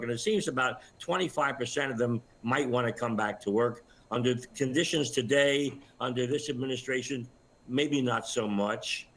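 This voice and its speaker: An older man speaks as an interview guest on a live news program. His delivery is measured and explanatory, with halting phrases as he works through each point. The pitch sits in an ordinary middle range for a man. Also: fairly bright tone, a little hiss or hum, low-quality recording. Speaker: retired air traffic controller, interview guest.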